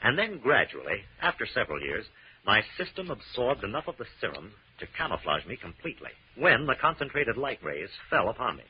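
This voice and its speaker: Husky, animated radio scientist. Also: male voice, mid-range voice, fairly quick. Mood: firm, explaining. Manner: explanatory, precise, authoritative. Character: earnest, firm, protective male scientist inventor. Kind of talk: 1940s radio drama acting. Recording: muffled old radio recording.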